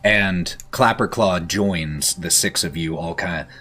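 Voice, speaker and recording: A man with a low voice narrates a tabletop fantasy game as its game master. He takes his time, painting scenes in measured, descriptive phrases. Faint music plays behind him. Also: sharp tone, slightly rough.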